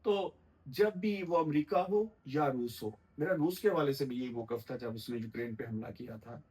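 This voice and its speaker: A middle-aged man speaks in an interview as a political commentator. His delivery is measured and formal, and he pauses often with a soft "uh" as he builds his argument. His voice sits at an ordinary middle pitch. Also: poor audio.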